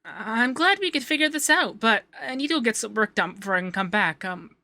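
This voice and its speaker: Guy doing a flustered coy femboy for asmr, really bright voice, stammers a lot, soft breathy bits. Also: high-pitched, expressive, a little fast, no room sound, heavily acted. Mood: sweet, upbeat. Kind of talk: intimate ASMR roleplay.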